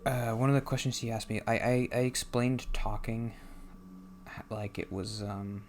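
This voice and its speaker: A soft-spoken man with a quiet voice, halting and muttering to himself as he plays through a game, on a microphone turned up high. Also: little pitch movement, a little hiss or hum. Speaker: gaming channel host. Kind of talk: casual gameplay commentary. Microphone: computer microphone turned up loud.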